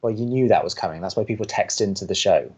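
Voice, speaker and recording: A man's voice: on the low side, quick pace, darkish tone, husky. An actor playing a skeptical, guarded young man who co-hosts college radio in an audio drama, with a hesitant, wry way of talking. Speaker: college radio co-host and advice-giver. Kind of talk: naturalistic audio drama acting.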